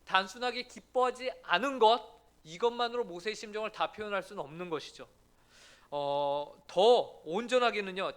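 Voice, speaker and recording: A man's voice: sits high, pushed and bright. A man pastor giving an earnest sermon in a church, often putting questions to the congregation.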